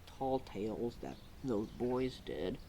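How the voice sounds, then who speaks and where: Woman playing a slow-talking, chatty lore keeper. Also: rumbling low, slight background noise, exaggerated voice. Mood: helpful, chatty. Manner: rambling, talks to self, animated, sighing. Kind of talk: ad-libbed audio roleplay, addressed to a listener.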